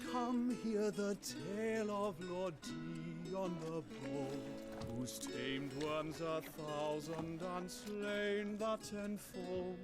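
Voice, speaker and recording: A man playing a theatrical bard who sings a heroic ballad in a video game. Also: fairly high pitch. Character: theatrical male bard singing a heroic tale. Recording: loud plucked-string music with the voice.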